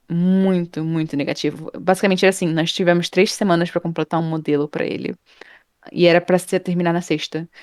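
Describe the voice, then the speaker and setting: A woman, a guest in an interview, telling a story in a casual, animated way and acting out the people in it. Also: on the low side, no echo, clean studio sound. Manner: animated, acts out quoted people, laughs often. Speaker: interview guest, game art professor.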